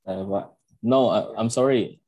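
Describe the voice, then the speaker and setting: A man taking part in a class as a trainee, giving short, unhurried answers. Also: lowish voice, mellow.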